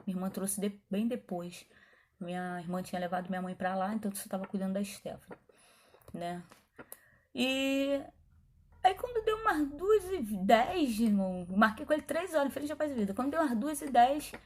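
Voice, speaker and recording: A middle-aged woman pastor tells her testimony in a lively, conversational way. Her voice sits a little high, with a husky, breathy edge. She keeps breaking into quoted dialogue and side remarks. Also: a little fast. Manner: animated, chatty, frequent asides and quoted dialogue. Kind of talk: testimony storytelling.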